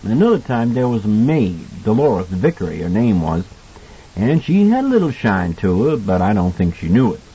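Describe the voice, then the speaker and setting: Audiobook role: kindly older male cook, played by a man. Husky, very animated, folksy, earnest and protective. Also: fairly low pitch, normal speed, highs cut off, heavily acted. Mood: grave, cautioning. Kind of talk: audiobook character dialogue.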